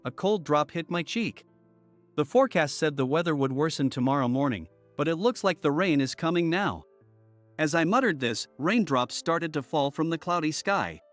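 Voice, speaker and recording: Guy reading a first-person story, steady delivery, bit higher pitch, quiet music under it. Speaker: narrator. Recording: soft music bed under voice.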